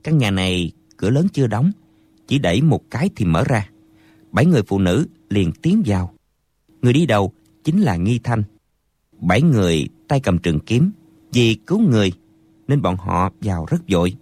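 Expressive male audiobook narrator, dry. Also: lowish voice, normal speed, husky, no echo. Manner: expressive storytelling. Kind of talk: audiobook narration of a martial arts novel.

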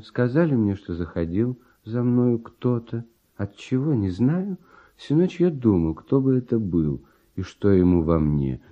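An actor playing a troubled, sincere composer in a radio verse drama, confiding uneasily as if haunted by dread. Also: male voice, medium pitch, natural voice. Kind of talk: theatrical verse dialogue, classic Russian radio play. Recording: dull, muffled old radio recording.

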